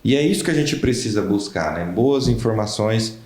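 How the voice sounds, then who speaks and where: A man hosting an interview podcast, relaxed and chatty, often tagging his sentences with little questions and joking about himself. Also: lowish voice, moderate pace, reverberant. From Brazil. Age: young adult. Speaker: podcast host. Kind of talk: casual interview chat.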